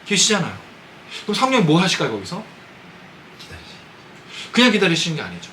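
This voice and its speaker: A man's voice: high voice, huge pitch swings, a little fast, a bit bright, slight background noise, rough recording. A man preaching a Sunday sermon, talking conversationally and asking his congregation questions. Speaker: pastor. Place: church sanctuary.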